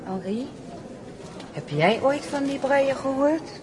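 An actress playing an astonished, opinionated concertgoer in a radio play. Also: female voice, sits high, lively intonation, a little slow, a loud crowd. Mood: curious. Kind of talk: Dutch radio drama acting. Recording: clearly noisy, with ambience.

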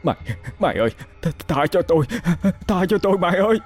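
A man's voice: high-pitched, expressive, a little fast, soft background music, voice pushed up. A man voicing a frantic young husband in a horror story, stammering and pleading. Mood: terrified pleading. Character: frantic terrified young husband haunted by his dead wife.

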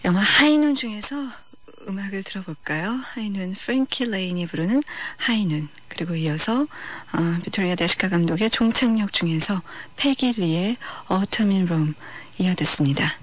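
A woman hosting a radio film-music show, talking about films in a calm, reflective, unhurried way. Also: medium pitch. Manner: calm, reflective, unhurried delivery with soft pauses. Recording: dull lo-fi radio archive.

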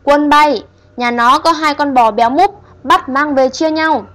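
A woman voicing a shrill mocking white ghost. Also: moderate pace, a bit bright. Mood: taunting. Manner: shrill, taunting. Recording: dull lo-fi audio with faint hiss.

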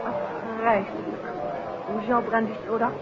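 An actress playing a detective's refined, frank and dryly witty wife in a 1950s radio drama. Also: female voice, fairly high pitch, little pitch movement, a little slow, natural voice. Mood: wry. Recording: very noisy, dull old radio, crowd behind.

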